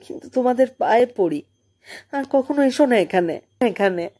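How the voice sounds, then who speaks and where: Woman acting urgent, higher-voiced distraught wife. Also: animated, moderate pace, warm tone. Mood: urgent pleading. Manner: urgent, emphatic, imploring. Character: distraught secretive married woman, pleading and commanding.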